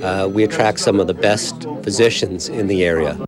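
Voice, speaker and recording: A medical center director speaking formally about healthcare quality. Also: male voice, deep voice, normal speed, music in the background. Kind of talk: interview clip. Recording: busy room chatter and phones.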